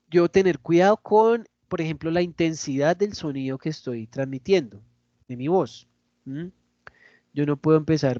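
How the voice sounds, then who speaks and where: A man lectures in a lively, demonstrative way and keeps checking in with his listeners. His voice sits a little high for a man. The sound is dull and lo-fi, from an online call, and dry, with no room echo.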